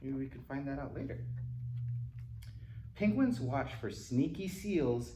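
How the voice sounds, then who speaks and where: A man leads a children's storytime, reading with lively, swooping intonation at a middle pitch. He drops in playful, chatty asides to his young listeners. The recording is roomy and echoey, with a little background noise. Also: measured pace. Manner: acts out animal sounds and exclamations. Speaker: library storytime reader. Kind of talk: animated read-aloud for young children.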